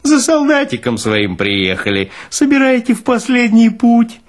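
A man's voice: extremely high pitch, wildly swooping pitch, a little slow, voice pushed up, heavily acted. A male actor voicing a hearty young morgue orderly with a sugary, ingratiating singsong manner. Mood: sugary welcome.

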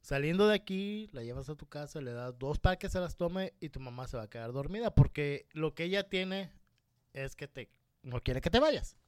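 A man with a Mexican accent quoting a calm male doctor who explains things matter-of-factly. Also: on the high side, normal speed, clean tone, no room sound, clean studio sound, lightly acted. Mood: calm explaining.

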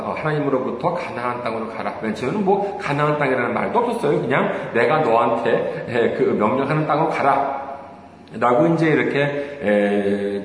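A man preaching a sermon as a pastor, conversational and full of rhetorical questions, with many hesitant fillers and little chuckles. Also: a little high. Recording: very echoey hall, faint room noise.

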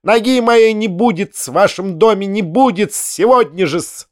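A man reading aloud voices a spiteful female hanger-on who speaks in a shrill, clipped, indignant way. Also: a little slow, no room sound, clean studio sound.

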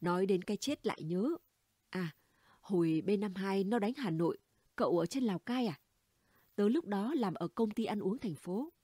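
A woman's voice: medium pitch, animated, moderate pace, warm tone, breathy edge, no echo, studio quality. A woman reading the dialogue of a gossipy, blunt middle-aged neighbor woman in an audiobook, chatty and conspiratorial. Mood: gossiping.

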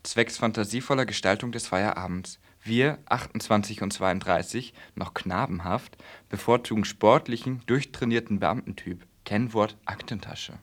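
A man's voice: on the low side, normal speed, hardly any pauses, lightly acted. A man acting in a comic radio play as a naive, chatty young gay hairdresser, camp and teasing. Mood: suggestive.

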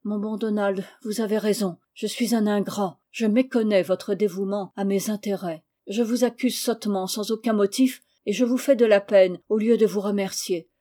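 Lady doing a young gentleman farmer, hot-headed but earnest, fancy emphatic wording, storybook. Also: mid-range voice, fairly even intonation, moderate pace, hardly any pauses, natural voice. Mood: contrite. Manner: earnest, formal, emphatic speech.

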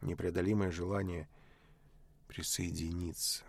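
A man narrating a literary audiobook in a measured, unhurried way. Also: sits low, flat delivery, creaky, husky, no echo.

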